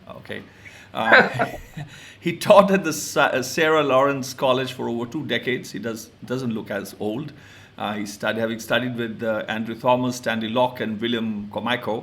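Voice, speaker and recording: A man speaks at a medium pitch with a Punjabi accent. His pace is moderate and his pitch varies in an ordinary way. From India, Punjab. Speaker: musician and online talk show host. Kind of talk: live video interview introduction. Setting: live video call stream. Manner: halting, many fillers.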